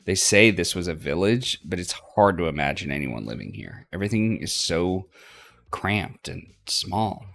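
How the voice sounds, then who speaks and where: Casting: male let's play narrator, deep voice with vocal fry, expressive and varied in pitch, reading a visual novel. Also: normal speed.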